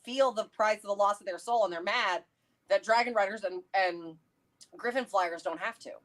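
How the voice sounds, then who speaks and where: A woman chatting casually and excitably, theorizing and thinking aloud as co-host of a livestream. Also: mid-range voice, normal speed. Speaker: co-host of a book read-along livestream. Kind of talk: casual chat, theorizing about a fantasy novel.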